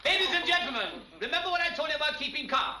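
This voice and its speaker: An actor playing an excitable male stage announcer, announcing in a rapid showman style. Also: very high-pitched. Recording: distant, echoey, noisy old film sound.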